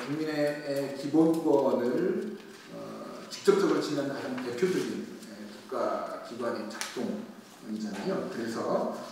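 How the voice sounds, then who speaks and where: A man speaking as a lawyer on a panel at a forum, measured and hesitant, often pausing with fillers. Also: on the high side, far from the mic, a little hiss or hum. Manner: deliberate, hesitant, with frequent filler pauses. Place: conference hall at a public forum. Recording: echoey hall, picked up from afar.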